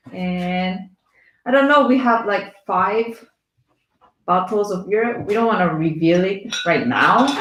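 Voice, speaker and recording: A woman with a Korean accent at medium pitch and ordinary pitch variation, very slow with long, frequent pauses, amid audible room echo. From South Korea. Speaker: travel vlogger. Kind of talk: casual live Q&A chat.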